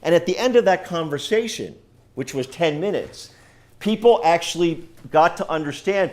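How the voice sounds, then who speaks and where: In a university lecture room, a keynote speaker from New York gives a political speech in a fervent, optimistic rally style. He has a big, loud voice pitched a little high, and it's captured unamplified from the room.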